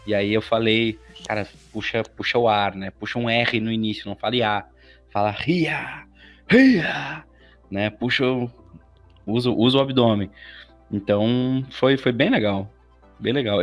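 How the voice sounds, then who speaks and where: A man with a Brazilian accent telling stories as an interview guest in a casual, chatty way, acting out quoted asides. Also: fairly low pitch.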